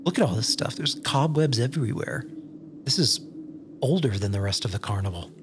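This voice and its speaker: A man playing a wary, exasperated wasteland survivor in a dark comedy audio drama, terse and cautious, with music behind. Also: mid-range voice, expressive, fairly quick, noisy background, natural voice. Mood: hushed, grave. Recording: music under the voice.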